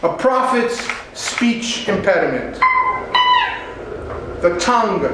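A middle-aged man reading his own poetry dramatically, in a deliberate, incantatory manner with stuttered repetitions. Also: high voice. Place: small indoor art gallery before an audience. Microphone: distant camera. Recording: echoey gallery room, guitar behind. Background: electric guitar with effects.

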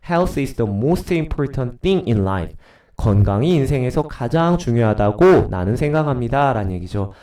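A man's voice: mid-range voice, lively intonation, measured pace, mellow, recorded from a distance. A middle-aged man with a cold and a stuffy nose, teaching English grammar to middle schoolers in a recorded lecture, chatty and answering his own questions.

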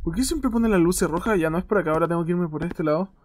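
A man's voice: high voice, fast talker, a little hiss or hum. A young man with a Chilean accent giving let's play commentary on a horror game, swearing often and yelping in fright. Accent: Chilean Spanish. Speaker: gaming youtuber.

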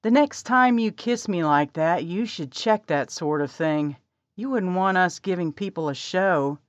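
A woman's voice: fairly low pitch, measured pace, no echo, highs cut off, natural voice. A woman voicing an eager, chatty young woman who loves books.

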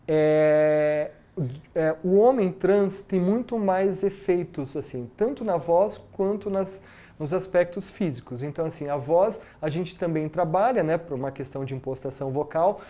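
A man's voice: a little high, normal speed, dark tone. A man, a speech therapist, explaining his work in an interview and often ending with "né?". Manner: explanatory, frequent "né?" tags. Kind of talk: interview and exercise instruction.

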